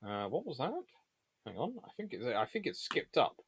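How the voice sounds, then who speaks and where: A man's voice: mid-range voice, big pitch swings, normal speed, a little hiss or hum. A man hosting a casual live question-and-answer session, talking in a rambling, discursive way and often correcting himself. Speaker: host answering viewer questions on naval history.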